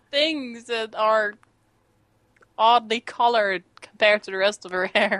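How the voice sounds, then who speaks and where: A woman with a fairly high pitch speaks fairly slowly with ordinary pitch variation, big swings in loudness and long, frequent pauses, the sound dry and close with no echo. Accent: Dutch. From Netherlands. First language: Dutch. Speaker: furry artist. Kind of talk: casual interview chat.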